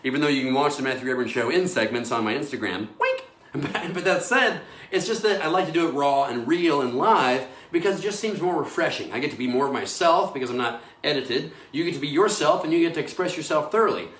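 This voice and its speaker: A man hosts his own live show, talking in a bold, enthusiastic and preachy way, often repeating himself. His voice sits a little high for a man. The sound is roomy and echoey, as if recorded indoors. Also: expressive, fast talker, fairly bright tone. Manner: enthusiastic, preachy, rambling, repetitive declarations. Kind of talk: live casual monologue. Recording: echoey room.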